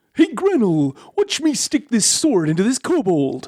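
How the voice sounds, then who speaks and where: A man performs a put-on character voice at an extremely high pitch. He speaks at a moderate pace with very wide pitch swings. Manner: menacing, gruff.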